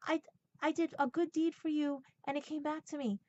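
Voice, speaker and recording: A woman voicing an excitable, grateful female friend who exclaims and repeats herself in an anecdote. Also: high-pitched, moderate pace, voice pushed up, lightly acted. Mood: excited, grateful. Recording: dull, lo-fi sound.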